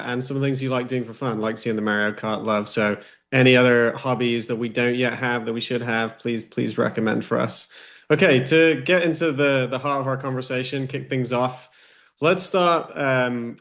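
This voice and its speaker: A man's voice: medium pitch, a bit bright. A man moderating a livestream design panel over a video call, upbeat and friendly.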